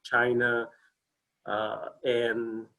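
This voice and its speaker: A man's voice: mid-range voice, completely flat delivery, extremely slow, pushed and bright. A man, presenting his background on a video call in a casual, upbeat way with many fillers and restarts. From Singapore. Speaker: company country manager presenting on a video call.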